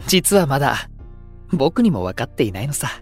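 A man playing an unruffled, poetic young younger brother in a voice drama, elegant and gently persuasive. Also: mid-range voice, very animated, normal speed, soft background music. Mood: coaxing. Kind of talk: Japanese voice drama acting.

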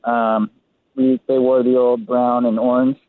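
A man's voice: mid-range voice, level tone, a little slow, dry recording. A man from San Diego calling in to a radio talk show, his voice muffled as if through a wall, speaking hesitantly with many ums. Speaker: phone-in guest. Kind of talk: casual radio chat. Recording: muffled tinny phone line.

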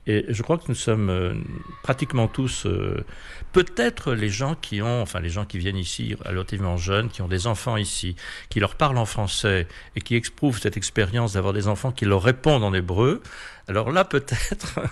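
A man's voice: lowish voice, lively intonation, normal speed, gravelly. A man with a French accent, a guest giving thoughtful, hesitant answers in an interview. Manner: hesitant, thoughtful, many fillers and restarts. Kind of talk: reflective conversational interview.

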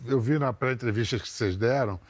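A man's voice: mid-range voice, fairly quick. A man hosting a talk show, putting short, probing questions to his guests. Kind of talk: interviewing.

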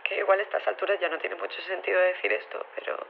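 Una actriz interpreta en una ficción sonora a una trabajadora electoral apurada y servicial, que habla de forma titubeante. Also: female voice, mid-range voice, level tone, gravelly. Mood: awkward, hesitant. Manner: hesitant, halting, trailing off. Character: flustered female polling-station worker, helpful and hesitant. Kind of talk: audio fiction acting. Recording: lo-fi radio sound with noisy ambience.

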